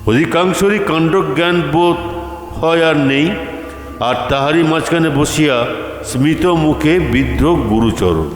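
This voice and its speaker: Slow male storyteller in a reverberant hall. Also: on the high side. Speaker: story reader. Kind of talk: scripted literary story narration. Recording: echoey hall reverb, faint music. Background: faint background music.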